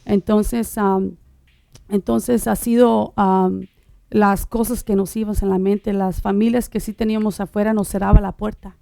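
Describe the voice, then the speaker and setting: Woman telling her faith testimony, lots of um and restarts, bit of vocal fry, dry close sound. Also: medium pitch, little pitch movement, warm tone, no echo. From Uruguay. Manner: halting, with many fillers and restarts. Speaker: guest sharing her testimony. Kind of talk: personal testimony in conversation.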